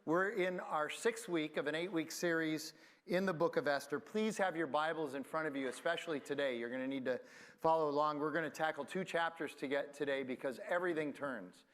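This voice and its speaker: Chatty pastor giving church announcements. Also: male voice, fairly high pitch, brisk, fairly bright tone. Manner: friendly, conversational, with many fillers. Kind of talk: church announcements before sermon.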